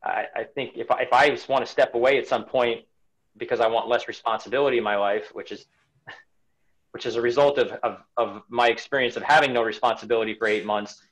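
Man, forties, interview guest on a home video call, reflective, halting, frequent restarts. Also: mid-range voice, steady tone, a bit bright, low-quality recording. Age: 40s. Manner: reflective, many restarts and repeated words. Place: home room indoors. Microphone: webcam on a video call.

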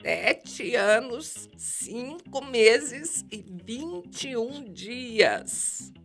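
An actress playing a grumpy, reclusive elderly retired detective in a radio drama, curt and dramatic. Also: female voice, a little high, very animated, very slow, soft background music, full character voice. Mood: grave, suspicious.

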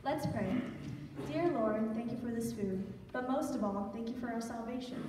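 A woman playing a patient, gentle 1940s mother in a stage radio play. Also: a little high, normal speed, close to an everyday voice. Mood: prayerful. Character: patient, hard-working widowed 1940s mother. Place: large church auditorium, recorded from the audience. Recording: echoey hall from far off, faint noise.

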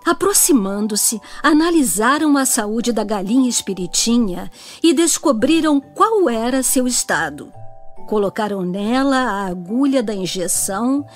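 A Brazilian woman narrates a children's story. She speaks slowly and very expressively in a fairly high voice, with music playing underneath. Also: expressive.

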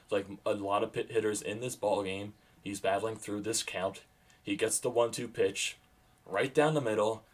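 A young man recapping a game as an excited fan at home, with bursts of loud enthusiasm and a sore, fading voice. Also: on the low side. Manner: animated, rising to loud bursts on big plays. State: losing his voice, sore throat. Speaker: sports vlogger. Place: small room at home.

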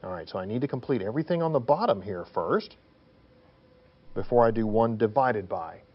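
A man's voice: on the low side, animated, fairly quick, muffled recording. A man teaching as a technical instructor, explaining worked examples step by step in an emphatic, didactic way, often posing questions and answering them.

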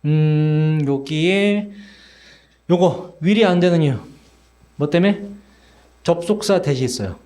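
A man's voice: a little high, takes it slowly, long pauses, warm tone. A man in his forties giving a classroom English lecture, chatty and teasing, speaking directly to his students. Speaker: English teacher.

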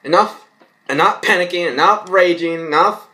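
A man's voice: high-pitched, normal speed, pushed and bright, rough recording. A young adult man rambling casually and reading aloud in an amateur way, often stumbling over his words, recorded at home in a bedroom. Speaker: vlogger reacting to and reading fan fiction.

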